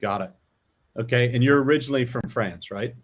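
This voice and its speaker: A man's voice: medium pitch, fairly quick. Male host moderating a live discussion.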